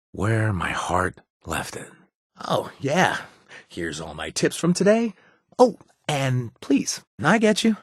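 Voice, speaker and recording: A man's voice: sits low, breathy edge, no room sound, clean studio sound, heavily acted. An actor playing a wry adult male bartender and former gang member, joking and conspiratorial, in video game voice lines. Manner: joking and conspiratorial, laughs often.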